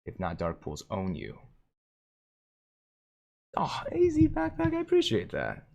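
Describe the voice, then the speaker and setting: A man hosting a live stream, commenting on stock charts and reading viewer comments aloud with excitement. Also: deep voice, unhurried, gravelly. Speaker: livestream host.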